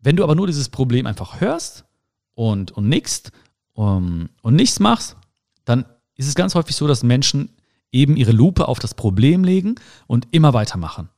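Lively-voiced man musing to the listener. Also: mid-range voice, normal speed. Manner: reflective, talks straight to the listener, acts out little dialogues. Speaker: podcast host. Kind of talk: casual advice monologue.

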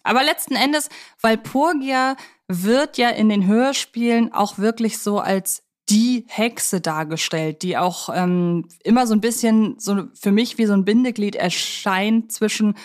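A woman speaks as a podcast co-host in a casual film discussion. Her voice sits at an average pitch for a woman. The delivery is informal and conversational. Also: measured pace.

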